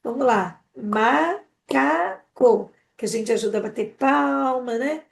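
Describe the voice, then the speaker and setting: Brazilian woman, teacher trainer on a live stream, brisk and animated, slightly high. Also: creaky. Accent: Brazilian Portuguese. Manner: quick, animated explaining with frequent "né?" tags.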